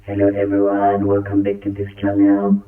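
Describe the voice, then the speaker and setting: A man's voice: on the low side, monotone, moderate pace, smooth. A man giving a short channel greeting through a voice-changer filter. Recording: tinny, echoing, music behind.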